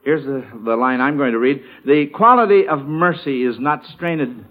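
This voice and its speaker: A man hosting a 1940s radio quiz show in a halting, folksy way, often stammering through false starts. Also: mid-range voice. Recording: muffled, noisy old radio broadcast.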